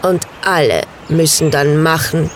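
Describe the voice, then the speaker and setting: A woman voicing a greedy, threatening male black bird in a storybook, slow and croaking. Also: low voice, slight background noise, pitched below the performer's own voice. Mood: menacing.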